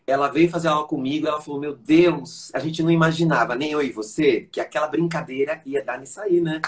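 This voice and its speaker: A little fast and fairly high-voiced, a voice teacher who also conducts shares stories during a live-stream interview where he's the guest. He performs them with energy, acting out the voices of those he quotes.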